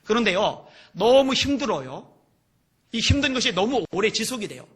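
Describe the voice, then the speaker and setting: A male pastor preaching a sermon with fervor, often rising to shouts. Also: high-pitched, expressive, quick pace.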